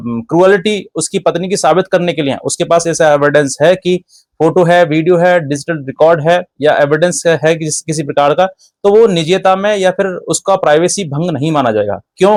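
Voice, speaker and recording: Higher-pitched man explaining law. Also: a little mellow, dry recording. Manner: instructive, emphatic, repeats and lists points. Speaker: legal advice presenter. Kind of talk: explanatory legal talk addressed to viewers.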